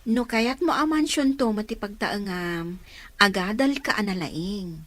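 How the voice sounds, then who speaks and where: A woman playing a gently advising aunt in an Ilocano audio drama. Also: mid-range voice, measured pace. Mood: gently teasing.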